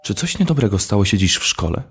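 A man's voice: lowish voice, sing-song, fast, background noise. A man reading a storybook, voicing a caring mother who speaks soothingly. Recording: long hall reverb.

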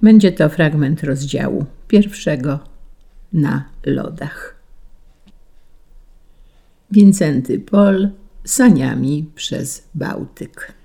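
A woman presenting on radio and reading a literary passage in a calm, measured way. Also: low-pitched, vocal fry, breathy edge. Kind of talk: scripted narration and reading.

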